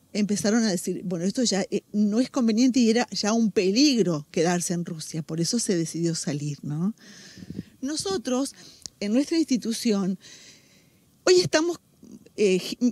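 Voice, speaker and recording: A woman's somewhat breathy voice with very wide pitch swings and long, frequent pauses. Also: medium pitch for a woman, moderate pace, dry, close sound with no echo. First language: German (speaking Spanish). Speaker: community association leader. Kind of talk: news interview. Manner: halting, many restarts.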